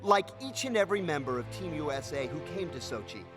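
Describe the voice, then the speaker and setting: A man narrating an inspirational video in a scripted, expressive way. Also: fairly high pitch, fast. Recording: narration under loud music.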